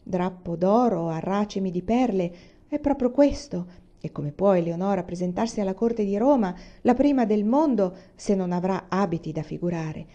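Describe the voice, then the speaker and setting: Woman reading a gentle coaxing noble widow, soft persuasive manner, mellow tone, slightly muffled audio. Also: medium pitch, expressive, moderate pace, close to an everyday voice.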